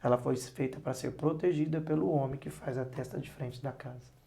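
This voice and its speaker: Medium-pitched and creaky, this man talks a little fast as a podcast guest. A pastor and psychologist, he offers earnest advice and animates his stories by playing both parents and children.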